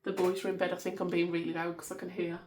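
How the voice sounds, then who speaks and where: A woman's voice: lowish voice, monotone, quick pace. Chatty Black Country woman counting cash. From West Midlands, England. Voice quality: loud voice. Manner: chatty, rambling, counts notes aloud. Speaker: budgeting vlogger. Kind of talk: casual chat while counting cash. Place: home desk, indoors.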